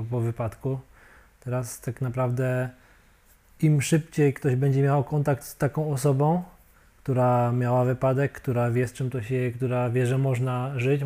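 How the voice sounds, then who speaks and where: A male interviewer in a relaxed conversation. His voice is dark, mellow and warm, and his delivery barely rises or falls as he sums up what his guest has said and checks for agreement. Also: medium pitch. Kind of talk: casual interview talk.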